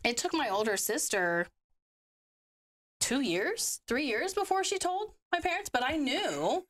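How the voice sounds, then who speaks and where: Laughing, animated storytelling woman. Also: sits high, unhurried. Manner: animated storyteller, acts out quotes, laughs often. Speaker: podcast guest. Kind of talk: casual chat.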